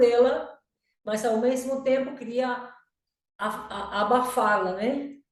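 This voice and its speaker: A woman speaks at a fairly high pitch, with audible echo in the room. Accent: Spanish. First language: Spanish (speaking Portuguese). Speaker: evangelical preacher. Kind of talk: prophetic testimony. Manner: halting, with repetitions and fillers.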